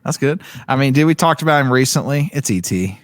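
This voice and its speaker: A man hosts a relaxed book club podcast and throws in "dude" and "bro" as he goes. His pitch rises and falls a great deal, and the close, dry sound has no room echo in it. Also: a little fast. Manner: laid-back, says "dude" and "bro". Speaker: podcast host. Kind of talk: casual book club chat.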